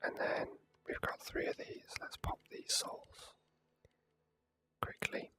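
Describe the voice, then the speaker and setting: Casting: whispering ASMR game streamer, close-miked, rambling and confiding, sharp bright hiss to the voice. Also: takes it slowly. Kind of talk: whispered ASMR gameplay commentary.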